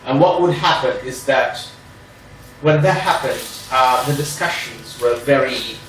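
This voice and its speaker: A man from Portugal, a non-native English speaker with a Portuguese accent, gives an introductory talk to a reading group in a room at a group meeting. He's careful and hedging, using many "sort of" fillers, in an unhurried, medium-pitched, fairly bright voice. The very echoey room, distant mic, and slight hiss or hum mark the recording.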